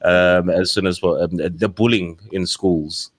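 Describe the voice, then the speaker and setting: A man's voice: sits low, steady tone, a little slow. A South African man hosting a casual podcast discussion, talking in a rambling way with many fillers and restarts. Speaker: podcast host.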